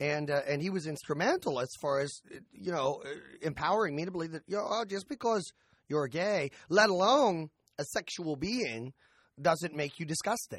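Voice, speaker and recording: A man with an American accent and a plain, everyday voice talks at a fairly high pitch with lively intonation, in a very clean recording with a silent background and a dry, close sound with no echo. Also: moderate pace. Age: 30s. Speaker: comedian. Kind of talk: casual chat.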